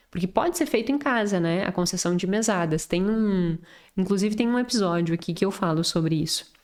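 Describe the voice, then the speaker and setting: A woman talks at a fairly quick pace and medium pitch. Her pitch variation is ordinary, and her loudness stays very even. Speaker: podcast host, behavioral finance educator. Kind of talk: educational podcast monologue.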